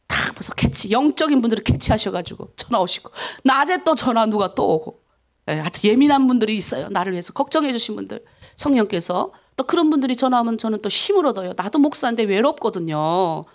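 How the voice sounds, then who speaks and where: A middle-aged woman pastor from North Korea with a North Korean accent delivers a dawn prayer sermon. Her voice is high and very expressive, with pitch leaping up and down. She moves between loud, animated passages and hushed, near-whispered ones.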